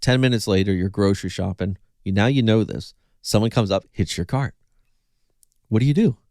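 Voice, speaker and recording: A man's voice: fairly low pitch, fairly quick, darkish tone, dry recording, clean studio sound. A man working as a recovery coach, explaining an analogy to viewers and acting out the quoted reactions as he tells it.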